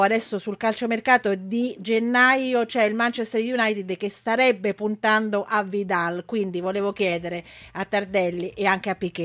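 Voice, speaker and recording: A female radio co-host with an average-pitched voice. She puts sports questions in a conversational style. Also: a bit bright.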